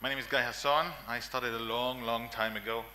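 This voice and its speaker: A man's voice: medium pitch, level tone, a little fast, sharp tone, a little hiss or hum. Israeli man giving a conference talk. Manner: emphatic, repeats lists, frequent coughs and fillers. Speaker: conference speaker. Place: conference room, indoors.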